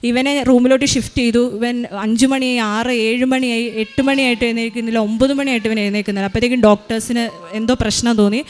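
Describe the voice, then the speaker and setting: A woman in her thirties, a mother giving a personal faith testimony, rushing through it with frequent hesitations and restarts. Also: on the high side, steady tone. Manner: rushed retelling with many restarts and hesitations.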